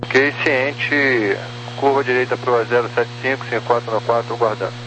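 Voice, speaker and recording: Brazilian male approach controller, mid pitch, terse delivery, slightly noisy radio. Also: flat delivery, normal speed. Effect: aviation radio. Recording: humming, faintly noisy radio.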